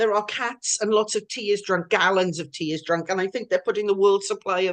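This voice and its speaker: With a Welsh accent, a woman speaks against a quiet background. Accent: Swansea Welsh, stronger lately. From Wales, Swansea. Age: 60s. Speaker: crime novelist and panel host. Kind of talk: online panel talk.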